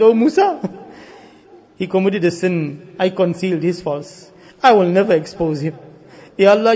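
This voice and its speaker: A Muslim preacher, a man, leading an emotional, pleading congregational prayer with repeated refrains, moving between hushed appeals and loud cries. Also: high voice. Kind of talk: impassioned supplication with repeated refrains. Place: live religious gathering. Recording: muffled, dull lo-fi live recording.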